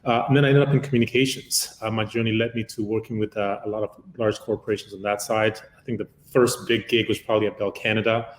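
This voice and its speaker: A man's voice: lowish voice, steady tone, fast talker, few pauses, reverberant, a little hiss or hum, low-quality recording. A man in his fifties from Uganda, a company founder giving a long, rambling interview answer full of "uh" fillers. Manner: long-winded, many "uh" fillers.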